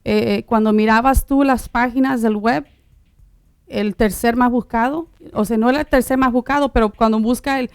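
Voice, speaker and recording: A middle-aged woman born in Uruguay telling her personal testimony in conversation, halting, with many fillers and restarts. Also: a little high, fairly even intonation, clean tone, dry recording, clean studio sound. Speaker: guest sharing her testimony.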